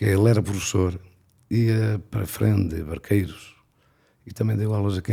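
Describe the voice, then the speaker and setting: A man's fairly low, somewhat breathy voice with a dark, mellow tone, in a very clean recording with a silent background. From Portugal, Douro region. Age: 60s. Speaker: mayor. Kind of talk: podcast interview. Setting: podcast recording.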